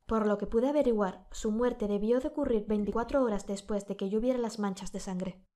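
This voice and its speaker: Woman, Spanish accent, audiobook narration, measured, slightly sore throat. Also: mid-range voice. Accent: Spain Spanish. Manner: measured, steady storytelling.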